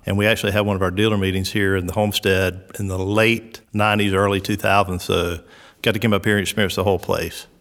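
A man's voice: sits low, level tone, fairly bright tone. Middle-aged Southern man with reverb. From South Georgia, US. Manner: unhurried, lots of "uh" and "um" fillers. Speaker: resort recreation director. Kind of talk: relaxed interview answers.

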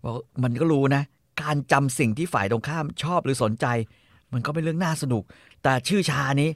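A man's voice: on the high side, fairly quick, no room sound. Male co-host, laid-back rambling chat, salty slang, dry close mic. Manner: relaxed, rambling, coarse slang. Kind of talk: casual chat.

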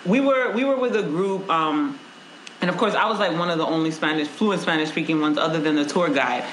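A woman's voice: low-pitched, fairly quick. A woman from Honduras co-hosting a casual chat, frank and laughing as she tells stories and reads comments. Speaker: co-host reading viewer comments. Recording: roomy echo, faint noise.

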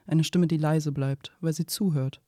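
An actor playing a reflective narrator in a radio play, reading poetic prose in a measured, restrained way. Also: male voice, on the high side, fairly even intonation, mellow, no echo, clean studio sound, natural voice.

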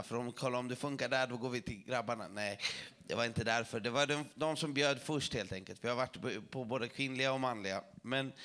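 A man preaching to a church audience, telling a testimony story in a lively way with self-mocking jokes. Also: medium pitch.

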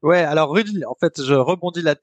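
High-pitched male podcast co-host, chatty, hesitant fillers, dry close sound. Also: fairly quick, no echo. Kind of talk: casual podcast chat.

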